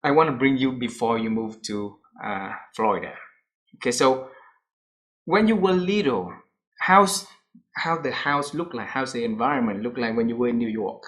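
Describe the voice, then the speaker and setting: A man's voice: mid-range voice, normal speed, a bit bright. A man interviewing a guest, who restarts his questions and affirms what the guest says.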